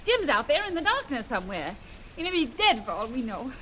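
A woman's voice: sits high, very animated, brisk, sharp tone, heavily acted. An actress playing a brave, impulsive adventurous woman in a 1930s radio drama, emphatic and commanding under pressure. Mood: tense. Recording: noisy hissy 1930s radio recording.

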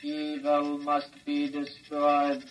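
An actor playing an obedient childlike male robot who speaks flatly and repeats what he is told, in a vintage radio drama. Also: a little high, slow pace, soft background music, rough recording. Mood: droning. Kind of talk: 1940s radio acting.

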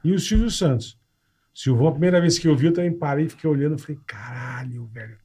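Husky Brazilian Portuguese man, slightly high. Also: quick pace, mellow. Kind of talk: casual chat.

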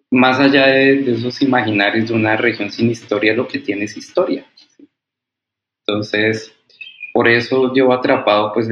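A man, a historian and author, giving reflective interview answers with many fillers and restarts, often checking in with a quick question. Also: fairly low pitch, a bit bright, roomy sound, lo-fi sound.

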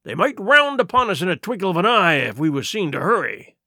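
A man voicing a cunning, weathered pirate who speaks in a rough sailor's dialect. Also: high voice, big pitch swings, fairly quick, sharp tone, dry recording, clean studio sound, exaggerated voice. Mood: cautious. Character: cunning weathered male pirate, old sea cook.

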